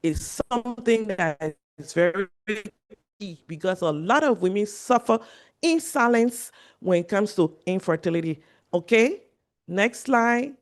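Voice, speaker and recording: A woman's voice: medium pitch, animated, unhurried. A woman from Liberia giving a health presentation to journalists, earnest and repeating her key points. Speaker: medical speaker at a journalist training.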